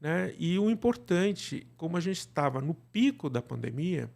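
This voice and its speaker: Higher-pitched, creaky-voiced Brazilian man. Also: very animated, moderate pace, a little mellow. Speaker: interview guest, radio drama director. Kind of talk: conversational interview, explaining.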